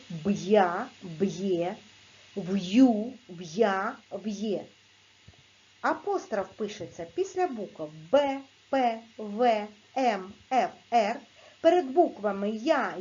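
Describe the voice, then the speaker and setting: A woman teaching a video lesson to young pupils, speaking clearly and patiently and sounding out letters and syllables. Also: medium pitch, warm tone, highs cut off. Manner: slow, clear, patient dictation-like instruction. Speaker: primary school teacher.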